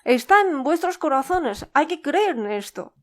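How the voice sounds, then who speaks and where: A woman's voice: sits high, sing-song, unhurried, a bit bright. A woman preaching a sermon at a church service, reading out scripture verses and asking the congregation rhetorical questions.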